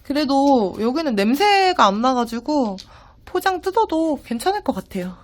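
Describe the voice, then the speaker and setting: A woman's voice: high-pitched, sing-song, moderate pace. A woman chatting casually and expressively to viewers as a travel food vlogger. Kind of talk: casual vlog chat to viewers.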